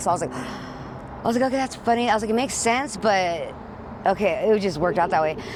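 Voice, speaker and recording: A woman's very fast speech with ordinary pitch variation, amid audible room echo and noticeable background noise. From US, Mexican household. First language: Spanish. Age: 40s. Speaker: homeless woman interviewed on the street. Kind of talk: street interview. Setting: outdoors on the street. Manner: halting, many restarts.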